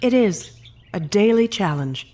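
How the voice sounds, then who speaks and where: An actor playing a courteous, solemn senior agent of a secretive organization in an audio drama, formal and eloquent. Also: male voice, high-pitched, animated, a little slow, a little mellow, a little hiss or hum.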